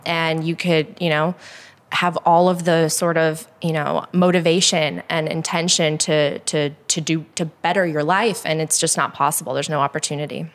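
Young woman from Poland, American accent, interview guest, chatty with fillers, lower register. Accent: American, Chicago-influenced. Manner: talkative, frequent likes and ums. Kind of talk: candid conversational interview.

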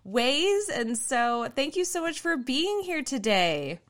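A woman hosting an interview podcast, her voice sitting a little high. She talks in a relaxed, casual way and laughs easily between questions. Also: slow pace. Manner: friendly, laughs often. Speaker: podcast host.

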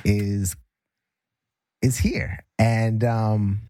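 A man from California hosting a casual talk in halting, reflective phrases. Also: on the low side, little pitch movement, noisy background. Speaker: podcast host.

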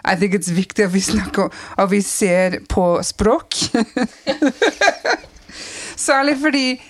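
A woman's voice: mid-range voice, animated, no room sound. A woman talking as a podcast guest, blunt and emphatic, switching between Norwegian and English mid-sentence. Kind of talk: casual podcast conversation.

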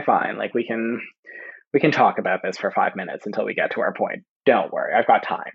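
A young Canadian man, a podcast guest, chatting casually with lots of fillers and lively quoted asides. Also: fairly low pitch, husky, muffled recording. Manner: chatty, full of fillers, animated quoting. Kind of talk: casual chat.

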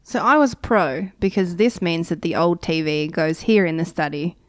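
A woman's voice: on the low side, normal speed, no echo, studio quality. A woman in a casual comedic podcast chat, laughing and chatty.

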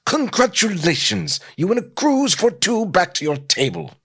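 A man voicing a haughty, snobbish British gentleman with pompous, florid speech in a comic script reading. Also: high voice, very animated, moderate pace, breathy edge, pitched above the performer's own voice, exaggerated voice. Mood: snide disdain. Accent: put-on British. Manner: pompous, florid, over-enunciated. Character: haughty, snobbish British gentleman coffee patron, easily outraged.

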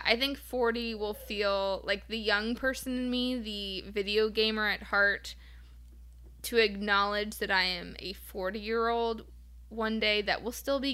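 A woman's voice: medium pitch, pushed and bright. A woman in her thirties co-hosting a podcast in casual, chatty talk, laughing often. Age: 30s. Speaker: podcast co-host. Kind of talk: casual chat.

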